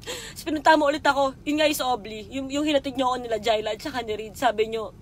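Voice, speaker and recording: A fast-talking young woman with a high voice, a vlogger, confesses a painful personal story directly to someone, swearing and emotional throughout. Some slight background noise can be heard.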